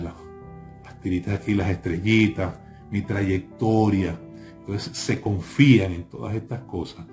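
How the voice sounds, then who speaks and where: A man teaching a sermon as a rabbi, emphatic and full of rhetorical questions, repeating key phrases. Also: lowish voice. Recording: faint music bed under voice. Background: soft instrumental worship music.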